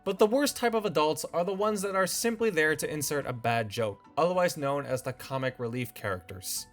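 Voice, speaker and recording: A man's voice: on the high side, expressive, fairly quick. A young man hosting a scripted video essay, delivering wry, opinionated commentary. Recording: faint music behind the voice.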